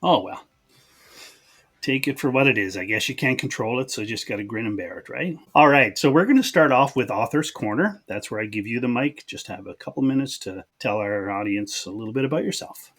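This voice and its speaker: A man's voice: mid-range voice, expressive, fairly quick, fairly bright tone. A man from Newfoundland with a Canadian accent, hosting a podcast in a casual chatty style. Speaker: podcast host. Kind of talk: casual chat.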